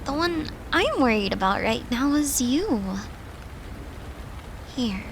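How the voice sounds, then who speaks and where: A woman playing a gentle, devoted girlfriend who soothes her lover in an intimate comfort roleplay, speaking tenderly and reassuringly in a soft, hushed voice. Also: sits high, very animated, takes it slowly, noisy background, full character voice.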